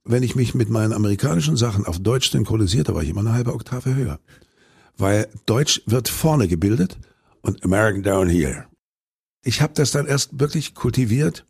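Brief: older male actor, deep gravelly timbre, loose anecdotal delivery with restarts, dry close sound. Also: lively intonation, a little fast, darkish tone, no echo. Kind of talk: interview answers.

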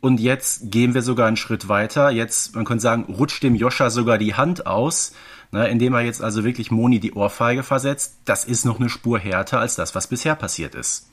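Man, German accent, from the Ruhr, average pitch, colloquial, conversational podcast commentary. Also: brisk. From Ruhr region, Germany. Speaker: podcast host.

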